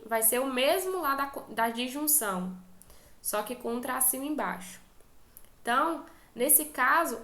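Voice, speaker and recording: A woman's voice: fairly high pitch, creaky, a bit bright, reverberant. A woman teacher with a Brazilian Portuguese accent, giving an online class lecture and patiently explaining step by step while checking in with her students.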